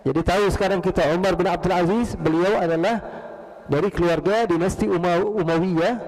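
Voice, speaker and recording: A man's voice: high voice, a little mellow. A man preaching a storytelling sermon, acting out the voices in his tale and putting questions to the audience. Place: large mosque hall. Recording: long hall reverb.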